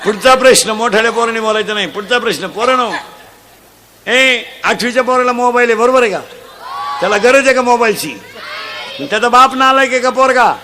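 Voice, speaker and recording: High bright village preacher guy, loud and teasing, crowd murmuring behind. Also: brisk, background noise. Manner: loud, quizzing children in the crowd, mocking. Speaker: kirtan preacher. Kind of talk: humorous devotional sermon.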